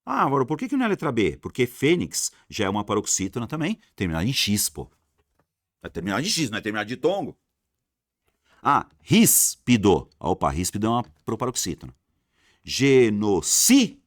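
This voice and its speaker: A man's voice: lowish voice, big pitch swings, fairly quick, dry recording, studio quality. A man teaching an exam-prep grammar lesson, repeating rules emphatically and answering imagined student questions.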